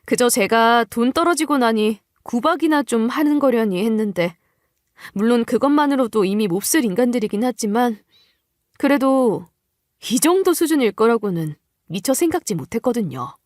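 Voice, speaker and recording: A woman's voice: a little high, animated, moderate pace, darkish tone, no room sound, studio quality. A woman delivering scripted, first-person dramatic narration as a storyteller.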